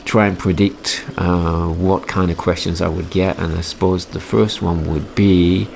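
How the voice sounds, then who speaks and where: Man, 40s, English Midlands accent; low gravelly voice, rambling casual vlog voice-over, noisy track. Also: flat delivery, measured pace, a little mellow. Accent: English Midlands, softened by years abroad. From England, Derby. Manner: rambling, many ums and restarts. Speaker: RC hobby YouTuber.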